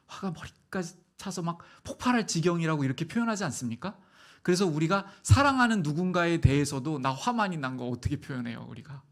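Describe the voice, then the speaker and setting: A middle-aged male pastor preaches a sermon, posing rhetorical questions to the congregation and swinging between soft, quiet phrases and loud, emphatic ones. His voice is fairly high, expressive, and a little fast.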